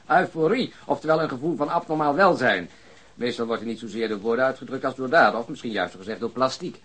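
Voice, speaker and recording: A man's voice: mid-range voice, fast talker, a bit bright, husky. An actor playing an amused, eloquent detective in a Dutch radio drama, wry and leaning on his words for emphasis.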